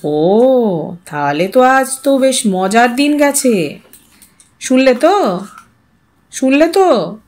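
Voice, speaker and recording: A woman voicing a calm, teasing middle-aged father with a wry, unhurried manner, in an audio story. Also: high voice, full character voice. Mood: amused, teasing.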